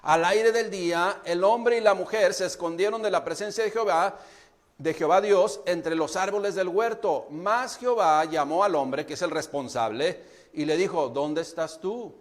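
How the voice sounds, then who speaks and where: A man's voice: high-pitched, moderate pace. A man with a Mexican Spanish accent preaching a sermon as pastor, speaking straight to the congregation. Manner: preaching, addresses the congregation directly.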